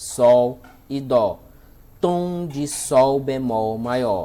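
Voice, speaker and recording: Speaking at a very slow pace, a man uses a medium pitch with ordinary pitch variation and a dark, mellow tone. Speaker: music teacher. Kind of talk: lecture.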